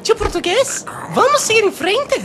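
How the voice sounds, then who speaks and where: A man's voice: very high voice, sing-song, moderate pace, music in the background. A man playing an eager, polite little boy in an amateur comedic radio drama.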